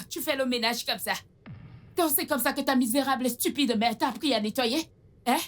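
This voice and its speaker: An actress playing a cruel, bitter aunt who scolds and threatens with insults. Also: female voice, on the high side, lightly acted. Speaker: abusive aunt. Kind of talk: dubbed film drama.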